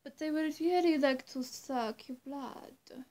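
Young woman playing a slow, high-voiced coy vampire. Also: darkish tone. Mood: coy, vain. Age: young adult. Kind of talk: roleplay addressed to the listener. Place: small bright bedroom, indoors. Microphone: camera mic at arm's length or closer.

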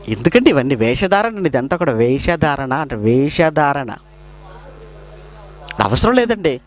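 A male preacher giving a sermon, asking rhetorical questions and slowing down to quote scripture. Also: high-pitched.

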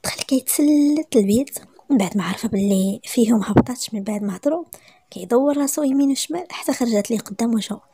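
A woman with a Moroccan accent narrating a story in a brisk, lively manner. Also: fairly high pitch, slightly rough.

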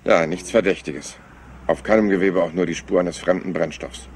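A man playing a rumpled, persistent middle-aged police inspector in a German-dubbed crime drama, husky, polite and offhand. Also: sits low, fairly even intonation, normal speed, a little hiss or hum. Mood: pensive.

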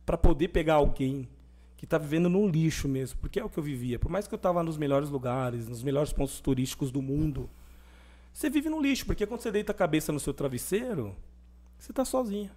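A young adult man, a podcast guest, telling his personal faith story in animated conversation and acting out the voices of people he quotes. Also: on the high side, a little fast.

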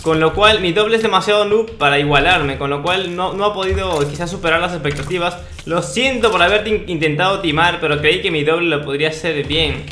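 A man's voice: high voice, a little fast, few pauses, bright, forceful tone. A young man giving casual gameplay commentary in a playful, mock-boastful, slangy way. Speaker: gaming video host. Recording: roomy echo, faint noise, clicks.

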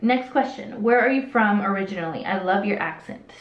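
A woman's voice: medium pitch, fairly quick. A woman in her late twenties with a light Hispanic accent, chatting candidly as she answers viewer questions. She often trails off and restarts her sentences. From El Salvador, raised in Southern California. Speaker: vlogger. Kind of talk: casual Q&A while doing makeup. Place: small indoor room with a curtain backdrop. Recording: roomy, slightly dull sound.

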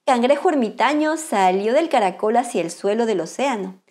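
A woman reading a picture book aloud to children in a bright, sing-song, expressive manner. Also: fairly high pitch, normal speed. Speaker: children's storyteller, channel host.

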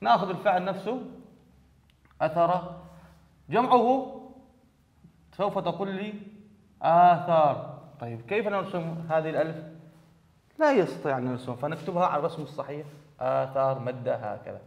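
A man with a high voice teaches a classroom grammar lesson, explaining slowly and repeating key words. The recording sounds dull and lo-fi, with a long echoing reverb from a large room. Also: creaky. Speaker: Arabic teacher. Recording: echoey hall, dull lo-fi sound.

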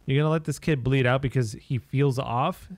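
A brisk emergency dispatcher read out by a man questions a caller in a horror game. The delivery is matter-of-fact and mid-pitched, recorded dry. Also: no room sound, natural voice. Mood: brisk, questioning. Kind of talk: reading game dialogue aloud.

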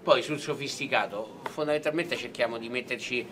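A man's voice: mid-range voice, brisk. A man, speaking as a film director in a promotional interview. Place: indoor press junket room. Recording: noisy room with background ambience.

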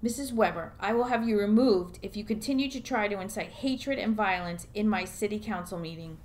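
A woman's voice: mid-range voice, a little fast, natural voice. A woman playing a formal, firm small-town mayor addressing a meeting in an audio drama. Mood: stern.

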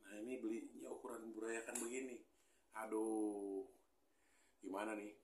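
A man's voice: on the low side, flat delivery, normal speed, darkish tone, reverberant, a little hiss or hum. A man in his thirties chatting casually to camera in a small room, thinking aloud with lots of fillers and mild grumbling. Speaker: hobby vlogger. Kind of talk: casual unboxing chat. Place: small indoor room with pink wall.

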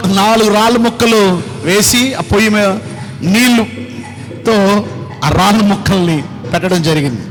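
High-voiced man preaching a story. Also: measured pace, pauses often, soft background music. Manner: storytelling, asks the audience to watch. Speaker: pastor. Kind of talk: Telugu sermon narrating a video clip.

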